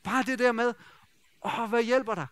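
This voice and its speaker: A middle-aged man preaching a sermon in a lively, conversational way, joking and asking the congregation rhetorical questions. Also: very high-pitched, smooth, no echo. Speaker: pastor.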